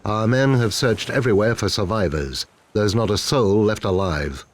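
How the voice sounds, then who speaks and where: An actor playing a serious military officer who gives a clipped, businesslike briefing in a game cutscene. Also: male voice, fairly low pitch, normal speed, dry recording, close to an everyday voice. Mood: urgent, serious. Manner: clipped, matter-of-fact briefing. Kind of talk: scripted game cutscene dialogue.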